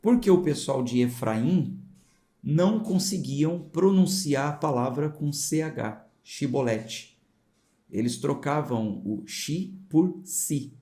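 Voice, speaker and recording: Mellow-voiced São Paulo pastor. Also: male voice, on the high side, slow. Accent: São Paulo Portuguese. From São Paulo, Brazil. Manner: conversational, explains with informal asides to viewers. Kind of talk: Bible reading with explanatory commentary.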